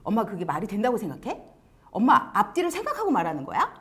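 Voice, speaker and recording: A woman's voice: on the high side, huge pitch swings. A woman mimicking a snappy, defiant teenager. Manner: defiant, rapid, irritated. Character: sulky teenager snapping back at a parent.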